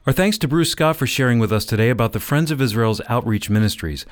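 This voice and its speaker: A man's voice: mid-range voice, expressive, quick pace. A man announcing a Christian radio program from a script, as its regular presenter. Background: music.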